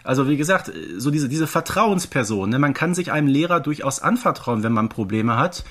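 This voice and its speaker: A man's voice: on the high side, expressive, a little fast, fairly bright tone. A man co-hosting a podcast in a conversational, analytical way, emphatic and fond of rhetorical questions. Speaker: podcast co-host.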